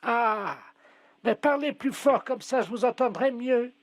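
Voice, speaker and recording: A man's voice: very high-pitched, a little slow, dry recording. A man playing a meddling, half-deaf old woman on a prank phone call, who pretends to mishear and keeps pestering in a mock-sweet way. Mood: muddled. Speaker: prank caller.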